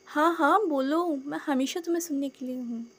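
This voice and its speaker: A woman's voice: sits high, normal speed, natural voice. A woman voicing a bold young man who teases and dotes in an insistent, playful way. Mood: teasing.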